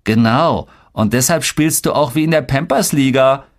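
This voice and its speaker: A man's voice: high-pitched, big pitch swings, a little slow, voice pushed up. A man voicing a scoffing, eager twelve-year-old boy in an audiobook story.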